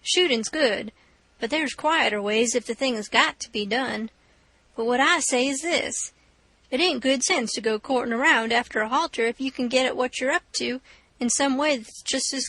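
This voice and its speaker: A woman's voice: high voice, normal speed, dry recording, poor audio. A woman voicing a cool, scheming river robber. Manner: quiet, earnest, reasoning. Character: calculating male river robber, cool and persuasive.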